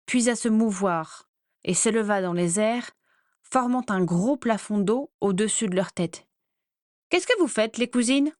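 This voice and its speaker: A woman reading a fantasy story aloud as narrator, measured and clear. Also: medium pitch, a little mellow, no echo, studio quality. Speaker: audiobook narrator. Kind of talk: scripted narration.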